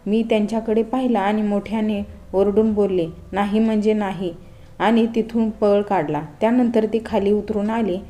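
A woman narrates a first-person family love story as a storyteller. She speaks in a calm, even manner, and her voice is mellow and warm. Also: medium pitch, normal speed, hardly any pauses.

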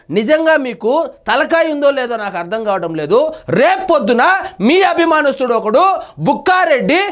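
High-voiced, sarcastic political commentator. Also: a bit bright. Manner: sarcastic, scornful toward the politician; addresses the politician directly. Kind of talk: political commentary over press clips.

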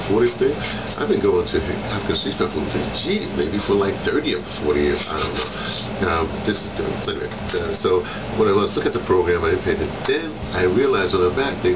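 An American man in his sixties chatting casually to camera in a halting, digressive way, thinking aloud. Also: sits low. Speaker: travel vlogger. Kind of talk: casual rambling chat to camera. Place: hostel lounge, small indoor room. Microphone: camera mic on the table, a short way off. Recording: noisy air-conditioning hum, distant microphone. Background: loud air conditioning.

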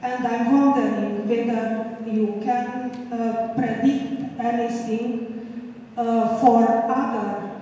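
A woman with a Hungarian accent asking a question from the floor, slow and hesitant, searching for words. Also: on the high side, level tone, mellow, recorded from a distance. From Eastern Europe. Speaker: audience member asking a question. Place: large hotel ballroom, standing among the audience. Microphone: handheld microphone. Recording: roomy hall echo from afar, faint noise.

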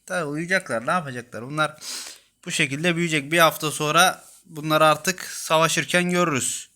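A man's voice: a little high, steady tone, a little fast, bright, forceful tone. A man filming his kittens at home, chatting casually to viewers and cooing affectionately at the animals with many repeated words. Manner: cooing and baby-talking to kittens. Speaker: pet vlogger.

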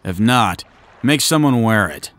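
A man's voice: lowish voice, lively intonation, measured pace, a bit bright. A man voicing a grimly determined, wry swordsman in a fan dub of an anime game.

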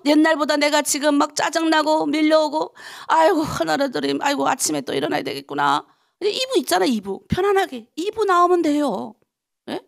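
A middle-aged woman pastor from North Korea delivers a dawn prayer sermon. Her voice sits high and has a gravelly, creaky texture. She exhorts the congregation in an animated way, full of rhetorical questions.

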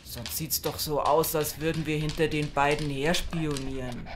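A woman's voice: sits low, fairly even intonation, moderate pace, music in the background, natural voice. A woman playing a bossy but caring elderly wife and grandmother in an audio drama. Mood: gently scolding. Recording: clear background ambience noise.

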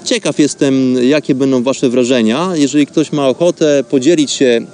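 A man hosting a radio show, giving instructional talk in an explanatory way, pausing now and then to find words. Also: medium pitch, steady tone, darkish tone, a little hiss or hum. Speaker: host of a radio show on meditation.

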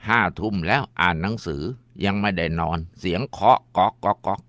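A man's voice: low voice, brisk, fairly bright tone, no echo. A man narrating a listener's ghost story in the first person, quoting family members' words as he reads.

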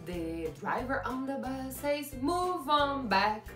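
A woman's voice: high voice, big pitch swings, slow pace, fairly bright tone, soft background music. A young woman teacher reading a picture book aloud to children and singing along, cheerful and sing-song, recorded in front of a camera in a small classroom corner.

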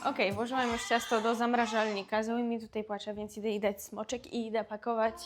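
A woman's voice: fairly high pitch, flat delivery, a little fast, over music. A young woman from Poland, a family vlogger and mother, chatting casually to the camera at home and talking through what she is doing. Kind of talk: casual vlog chat to camera.

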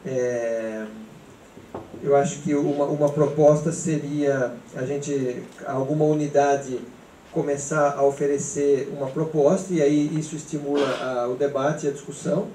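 A Brazilian man with a mellow voice moderates a university talk on a handheld mic, pausing and restarting often. He sounds roomy and set back from the recorder, with faint hiss behind him. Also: mid-range voice, fairly even intonation. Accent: Brazilian Portuguese. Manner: hesitant, many fillers and restarts. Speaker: event host. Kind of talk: hesitant, informal presentation moderation. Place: university seminar room. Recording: echoey room from a distance, faint noise.

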